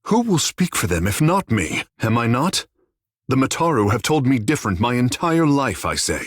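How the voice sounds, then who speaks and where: Tekēhu, a proud, expressive tribal godlike. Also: male voice, medium pitch, normal speed, no echo, studio quality. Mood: defensive, troubled. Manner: formal, lyrical, theatrical phrasing. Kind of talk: video game character dialogue.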